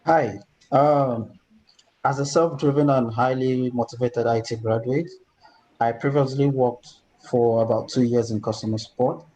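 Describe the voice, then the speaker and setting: A man's voice: medium pitch, steady tone, a little slow, darkish tone, low-quality recording. A man reciting a polished, rehearsed self-introduction as an intern in a mock job interview. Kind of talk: rehearsed elevator pitch. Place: home room on video call.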